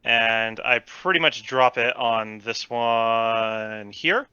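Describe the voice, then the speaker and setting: A man's voice: medium pitch, slow pace, sharp tone, clean tone, no echo. A man playing a tabletop game, decisively describing his character's actions. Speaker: player. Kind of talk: casual tabletop play. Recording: dull lo-fi mic, dry.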